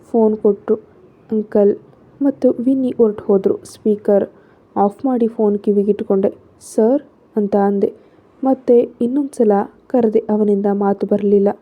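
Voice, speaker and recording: A woman reads a first-person story aloud at a steady, even pace with little rise and fall. The recording sounds narrow and phone-like. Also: mid-range voice, normal speed.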